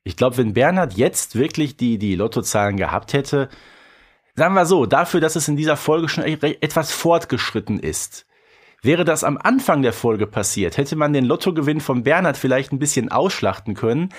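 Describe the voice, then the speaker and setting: A man's voice: medium pitch, lively intonation, normal speed, slightly rough. A man co-hosting a podcast in casual chat, rambling and colloquial, often seeking agreement. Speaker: podcast co-host. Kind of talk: casual chat about audio drama episodes.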